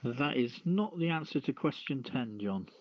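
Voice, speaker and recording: A man's voice: mid-range voice, expressive, moderate pace, dry recording. A man hosting a casual radio quiz as the quizmaster. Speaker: show host and quizmaster. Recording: dry, dull lo-fi stream audio.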